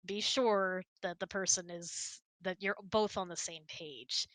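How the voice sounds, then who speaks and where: A woman's voice: fairly low pitch, fairly even intonation, a little slow, fairly bright tone, no room sound. A woman hosting a casual question-and-answer chat in an informal, giggly, chatty way. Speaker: host.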